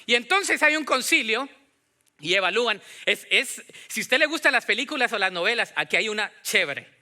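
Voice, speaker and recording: A man preaches in Latin American Spanish with a strikingly high voice. His tone is very bright and forceful. He teaches scripture conversationally, in an animated manner, often turning to his listeners with questions. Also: a little fast. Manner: animated, acts out imagined dialogue, questions the congregation. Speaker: pastor preaching. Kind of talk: conversational Bible-teaching sermon.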